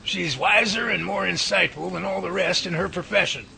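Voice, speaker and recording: Man as a gravelly, high-pitched professor. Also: moderate pace, sharp tone, exaggerated voice, low-quality recording. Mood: reassuring. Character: earnest, guarded male professor researching Bigfoot. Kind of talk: radio drama acting. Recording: faint background noise.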